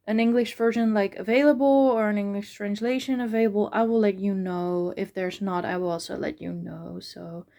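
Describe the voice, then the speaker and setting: Slow-talking woman vlogging books. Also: mid-range voice, darkish tone. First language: Dutch. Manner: hesitant, many fillers and restarts. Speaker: book vlogger. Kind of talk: casual vlog chat.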